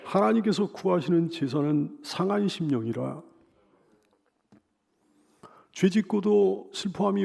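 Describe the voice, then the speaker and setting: A middle-aged male pastor preaching a sermon, swinging from loud emphatic cries to soft hushed lines, with repeated pleading phrases. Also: fairly high pitch, gravelly. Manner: leads the congregation in call-and-repeat.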